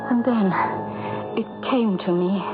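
An actress playing an anxious, distraught wife in a 1970s radio drama, with dramatic, emotional delivery. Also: female voice, medium pitch, slow, close to an everyday voice. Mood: tense narration. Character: anxious, distraught wife recounting her ordeal. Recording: phone-like old radio recording, music behind.

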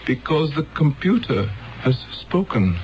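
A slow, solemn futuristic elder. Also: male voice, a little high, big pitch swings, a little mellow. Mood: solemn, insistent. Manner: solemn, deliberate, paternal. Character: grave male elder of a serene future world. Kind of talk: 1970s radio drama acting. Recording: dull 1970s radio drama recording.

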